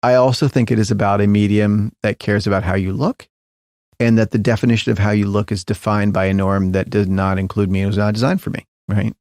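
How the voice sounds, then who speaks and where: Low gravelly man, thoughtful and hedging. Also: flat delivery, fairly quick, a little mellow, no room sound, studio quality. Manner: thoughtful, hedging, frequent restarts and fillers. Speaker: podcast guest, tech founder. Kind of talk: reflective interview conversation.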